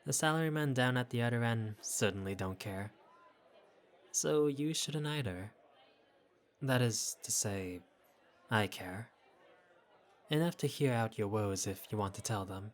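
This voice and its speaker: A man's voice: medium pitch, lively intonation, unhurried, pauses often, a faint crowd, lightly acted. A man playing a flirty, easygoing bartender who teases and chats with a patron in an audio roleplay. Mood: flirty, reassuring. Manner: playful, teasing, casual. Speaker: bartender character. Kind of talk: intimate audio roleplay, conversational acting.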